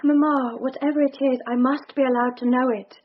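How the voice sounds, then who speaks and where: A woman's voice: sits high, steady tone, fairly quick, slight background noise, lightly acted. An actress playing a young Victorian woman jilted by her fiancé, earnest and restrained, in a radio drama. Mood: pleading. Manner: restrained, earnest, quietly breaking. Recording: dull lo-fi radio play recording.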